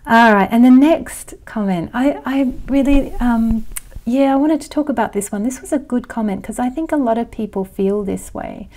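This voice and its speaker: Mellow-voiced Australian woman chatting. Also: on the high side, moderate pace. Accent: Australian with some American and English. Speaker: astrology channel host. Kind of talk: casual talk to camera. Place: indoor living room. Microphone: clip-on lapel mic.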